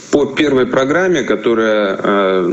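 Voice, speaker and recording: A man's voice rises and falls in a lively way while he talks very slowly. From Odesa, Ukraine; raised in Kazakhstan and Russia. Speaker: immigration lawyer. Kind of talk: interview. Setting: video call. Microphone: video call.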